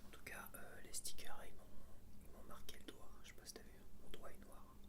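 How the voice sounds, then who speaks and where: A man murmuring casual ASMR commentary as a host, musing aloud in short phrases. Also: a little fast.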